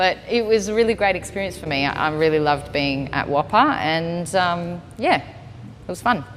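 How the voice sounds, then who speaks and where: Against noticeable background noise, a woman with a fairly low pitch talks at a moderate pace with lively intonation and hardly any pauses. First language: Italian. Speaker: singer. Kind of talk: interview answers.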